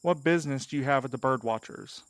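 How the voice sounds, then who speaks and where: A man's voice: medium pitch, fast talker, no echo, close to an everyday voice. A man playing a wary, earnest and defiant underdog in an audio drama, speaking a little hesitantly. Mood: shaken, questioning. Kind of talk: audio fiction drama acting.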